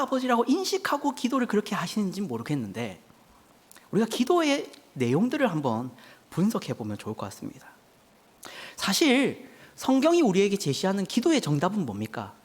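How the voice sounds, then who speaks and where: A man's voice: high-pitched, husky, in a large hall. A man preaching a sermon, asking the congregation rhetorical questions and acting out a child crying for his parents.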